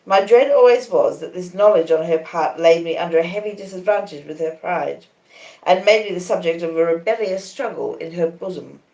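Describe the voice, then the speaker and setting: An echoing, roomy recording carries an Australian woman's fairly low voice as she narrates a classic novel. Her delivery is dramatic and deliberate, with emphatic pauses and expressive phrasing. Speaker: audiobook reader on a live stream. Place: conservatory in a small cottage. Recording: roomy, echoing conservatory sound.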